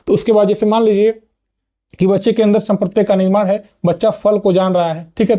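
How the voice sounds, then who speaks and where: A man's voice: sits high, mellow. A young adult man teaching a lesson in a spoken explanatory style, often adding a checking "ठीक है" and restarting words as he explains. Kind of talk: explanatory lecture.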